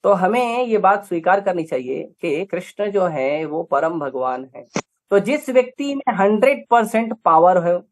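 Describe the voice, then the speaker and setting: A man's voice: high-pitched, sing-song, unhurried. A man with an Indian accent giving a scripture lecture, emphatic, with rhetorical questions and repeated lists. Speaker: preacher.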